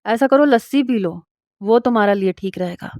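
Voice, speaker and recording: A woman voicing a blunt young Pathan husband who talks in a gruff, plain way with a Pashtun-accented Urdu. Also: mid-range voice, a little mellow, no echo, dull audio, natural voice.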